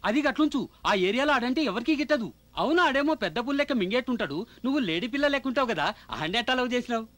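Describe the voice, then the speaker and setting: An actor. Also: male voice, very high-pitched, expressive, very fast, a bit bright, no room sound. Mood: teasing. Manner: rough street talk, blustering. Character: loud local rowdy, boastful and rough. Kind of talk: film dialogue.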